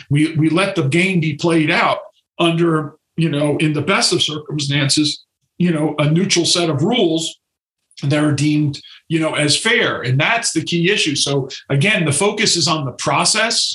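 Pitched fairly high, a man talks at a moderate pace. His loudness is very even and his pitch varies in an ordinary way. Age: 60s. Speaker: economics professor. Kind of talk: interview. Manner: halting with fillers.

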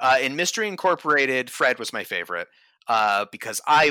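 At a fairly quick pace, a man with a medium-pitched, bright, sharp voice speaks with very wide pitch swings in a dry, close sound with no echo. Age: 30s. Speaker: animation writer. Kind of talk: casual chat. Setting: at home, remote interview. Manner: halting.

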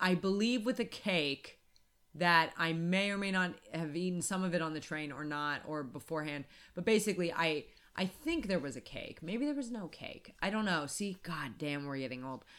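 A plain, everyday voice speaks at a moderate pace with lively intonation in a very clean recording over a silent background. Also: woman, fairly low pitch for a woman. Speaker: podcast co-host. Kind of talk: casual chat. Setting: home recording in London apartment. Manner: rambling, talkative.

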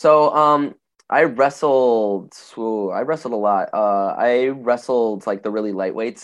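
Against a quiet background, a man uses an ordinary speaking voice at a medium pitch with ordinary pitch variation. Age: young. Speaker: professional wrestler. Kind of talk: interview.

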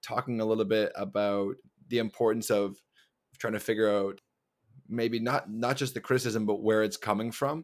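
A man's medium-pitched voice comes through on a very clean recording against a silent background. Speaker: podcast host. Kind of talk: casual conversational chat. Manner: filler-heavy, rambling.

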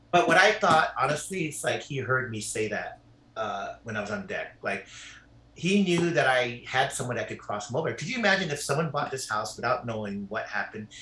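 Loud over noticeable background noise, a man with an American accent talks at a fairly quick pace with very wide pitch swings. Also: fairly high pitch for a man. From Los Angeles area (Carson, California). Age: 50s. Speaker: TV editor. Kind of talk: casual chat. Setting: video call.

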